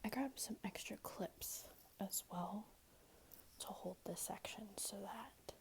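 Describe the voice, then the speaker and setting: A woman whispering breathily and gently in an ASMR tutorial, explaining things in an unhurried way. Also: mid-range voice. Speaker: ASMR creator giving a wig styling tutorial. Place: small room at home, indoors.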